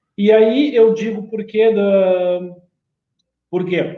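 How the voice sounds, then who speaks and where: A man's high-pitched voice with a dark, mellow tone and ordinary pitch variation, in audible room echo. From Rio Grande do Sul, Brazil. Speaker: running coach, former elite athlete. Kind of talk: casual chat.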